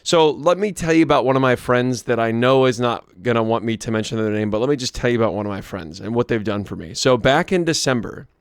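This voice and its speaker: A hoarse young man vlogging, telling a rambling story to camera with many restarts and asides. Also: medium pitch, quick pace, hardly any pauses, no echo, studio quality.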